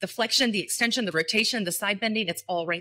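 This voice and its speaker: A woman speaks loudly in a bright, sharp tone. Her pitch varies in an ordinary way. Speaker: Pilates teacher and studio owner. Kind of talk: interview conversation. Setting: live online show. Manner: loud, projecting.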